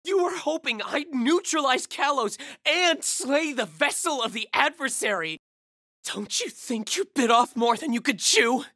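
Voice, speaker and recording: An actor playing a reckless, thrill-seeking young man in a video game, emotional and sardonic, with a husky voice. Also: very high-pitched, animated, unhurried, pushed and bright, no room sound, studio quality, full character voice. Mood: bitter, accusing. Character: reckless thrill-seeking young man, betrayed creation pleading with his father. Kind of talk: dramatic video game voice acting.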